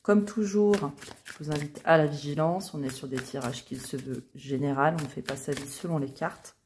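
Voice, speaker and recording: A tarot reader hosting her channel chats casually with viewers during a reading, with lots of fillers like "euh" and "hein" and soft asides. Her voice is deep and moderately paced, with a little hiss or hum.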